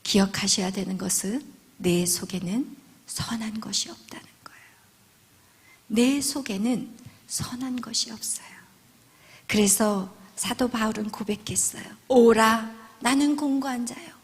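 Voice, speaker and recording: A woman preaching a sermon. Her delivery swings from loud, emphatic lines down to hushed whispers. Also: medium pitch, a little slow, pauses often, breathy edge. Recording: long hall reverb.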